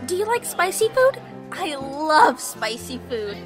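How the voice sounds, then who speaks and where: A woman playing an eager, naive young student, perky, chatty and excitable, in an audio drama. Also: sits high, a little slow, music in the background. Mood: excited, eager.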